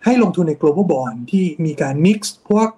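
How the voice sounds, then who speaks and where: Bond markets get an explanatory treatment from an investment strategist whose voice is a little high and dark, with lively intonation and a measured pace. He slips English finance vocabulary into his talk and uses polite particles often.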